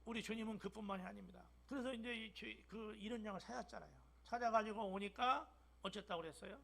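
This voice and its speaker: A gravelly, high-pitched older man in his sixties with a Jeolla dialect, preaching from the pulpit of a church. He talks in an emphatic way that swings from loud bursts down to soft whispers. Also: fast. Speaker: pastor. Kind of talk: sermon. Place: church sanctuary.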